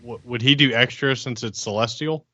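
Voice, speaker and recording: A man's voice: mid-range voice, moderate pace, sharp tone, dry recording, muffled recording. A man playing a tabletop game on a podcast, talking casually through rules and dice rolls.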